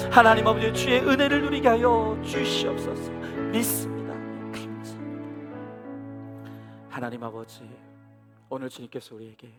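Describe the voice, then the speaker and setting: A male pastor preaching and leading a spoken prayer in church, with a repetitive, pleading cadence. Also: extremely high pitch. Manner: hushed, quiet prayer. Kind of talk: sermon and fervent spoken prayer. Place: church sanctuary. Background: music.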